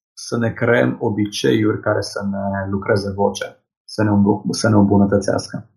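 This man speaks fairly slowly in a fairly low voice with vocal fry, ordinary pitch variation, and long, frequent pauses. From Transylvania, Cluj. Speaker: diction coach. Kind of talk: interview. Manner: articulate.

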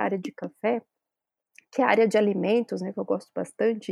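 A woman's medium-pitched, a plain, everyday voice, with ordinary pitch variation. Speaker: food scientist. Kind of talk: casual interview.

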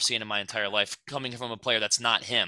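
A man speaks at a fairly quick pace in an American accent, his tone bright and sharp. The recording is very clean and dry, close with no echo, over a silent background. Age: 20s. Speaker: sports podcast host. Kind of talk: casual chat.

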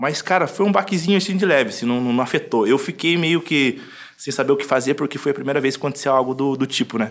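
This male voice is pitched fairly high. His words come out very fast. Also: ordinary pitch variation, very clean recording, silent background. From interior of São Paulo state, Brazil. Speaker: social media page owner and entrepreneur. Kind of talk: casual interview.

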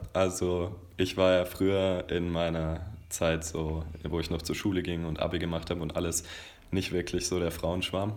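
With audible room echo, a man speaks in a very deep, low pitch and a monotone, flat intonation. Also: moderate pace. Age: 20s. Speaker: dating and self-development coach. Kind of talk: interview.

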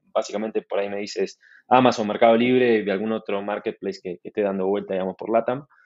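Talking at a very fast pace in an Argentine accent, a man uses a medium pitch and fairly even intonation. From Argentina. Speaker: startup country manager. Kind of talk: interview. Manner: halting, repeats words.

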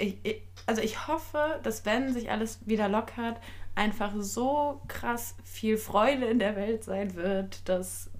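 A very slow delivery in a space with audible room echo. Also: woman. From Germany, Turkish family. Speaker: podcast co-host. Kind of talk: casual chat.

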